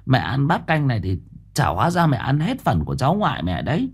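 A man's voice: medium pitch, huge pitch swings, fairly quick, gravelly, husky, pitched above the performer's own voice, full character voice. A man voicing an older mother fussing over her pregnant daughter. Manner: fussing, cautioning.

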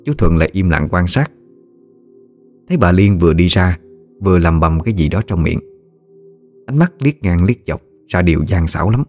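A man narrating a scripted ghost story in a steady storytelling manner. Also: low-pitched, normal speed, long pauses, faint music behind.

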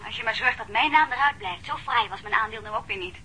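Frank, compassionate woman in a radio play, bright voice, bit hesitant, faint line noise and rumble. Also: fast, rough recording. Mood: hesitant, wistful. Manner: informal, hesitant. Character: frank, self-effacing woman who helped the police, compassionate. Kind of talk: Dutch radio crime drama acting.

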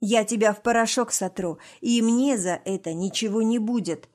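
A woman's voice: a little high, normal speed, darkish tone, close to an everyday voice. A woman reading the part of a drunk, abusive middle-aged husband who hisses, sneers and growls. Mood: menacing.

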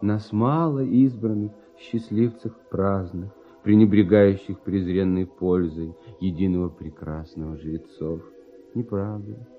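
An actor playing a lighthearted, trusting young genius composer, speaking verse lyrically and theatrically in a classic Russian radio drama. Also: male voice, deep voice, unhurried, faint music behind. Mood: exalted, then weary. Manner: lyrical, theatrical verse delivery with sweeping intonation. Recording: dull, muffled archival radio recording.

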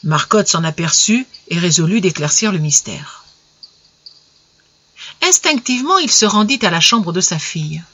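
A storyteller reads an old tale at an even, measured pace, giving the lines gentle expression. The recording is dull and lo-fi, with a muffled top end. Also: mid-range voice, slightly rough. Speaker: narrator. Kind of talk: audiobook story reading.

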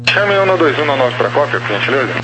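Male Brazilian tower controller on a two-way radio: businesslike, formulaic clearances through steady hiss, mid-pitched voice. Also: quick pace. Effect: over a two-way aviation radio. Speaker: air traffic controller. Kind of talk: clipped radio phraseology. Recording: noisy radio transmission.

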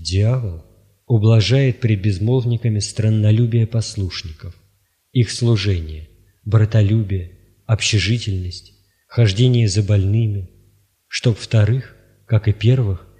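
A man reads a spiritual text in a steady, solemn, measured way. His voice sits fairly low and sounds warm and mellow. The reading is careful and unhurried. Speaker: audiobook reader. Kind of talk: scripted reading of spiritual writings.

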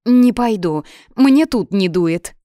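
A woman voicing a feisty, cheeky young red-haired woman with squeaky, loud retorts in an audiobook. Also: animated, a little slow, no room sound, clean studio sound, lightly acted.

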